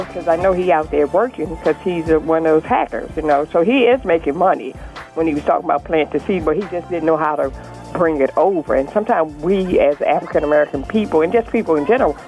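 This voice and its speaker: A woman's voice: low-pitched, darkish tone, low-quality recording. Rambling older woman calling in. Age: 60s. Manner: earnest, rambling with many restarts. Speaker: caller. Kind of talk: casual call-in chat.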